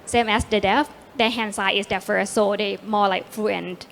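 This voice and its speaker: A woman's voice: mid-range voice, fairly even intonation, unhurried, gravelly. Panelist: Thai-accented woman, hesitant, filler-heavy English, faint room hum. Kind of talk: panel discussion.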